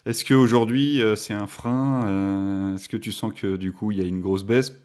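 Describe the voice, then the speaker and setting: Low-voiced male podcast host asking questions. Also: fairly even intonation, normal speed, a little mellow. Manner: casual, hesitant questions with fillers. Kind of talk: podcast interview.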